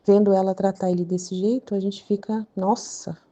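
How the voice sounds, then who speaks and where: Her voice is mellow and mid-range, moving at a moderate pace with little pitch variation. She's a channel host with a Brazilian Portuguese accent, reading devotional passages and adding chatty, filler-heavy commentary.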